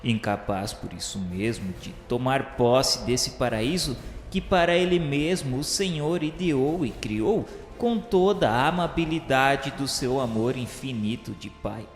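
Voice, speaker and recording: A man acting as a repentant male spirit with a Brazilian accent narrates a radio drama in a mid-pitched voice. He is solemn and full of awe, declaiming grandly with dramatic pauses. The voice rings with long hall reverb over music. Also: lively intonation.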